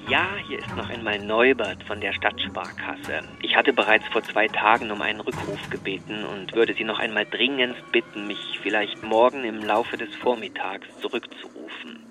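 A formal, hesitant bank clerk, played by a man leaves an urgent voicemail in a radio drama. His voice is on the low side, with music running clearly underneath. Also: moderate pace, few pauses, lightly acted. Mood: worried. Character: fussy male bank clerk leaving voicemail. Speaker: bank employee.

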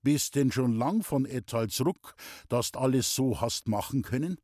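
Man voicing a calm young Bavarian woodcarver. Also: medium pitch, moderate pace, dry recording, studio quality, close to an everyday voice. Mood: warm. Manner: calm, coaxing.

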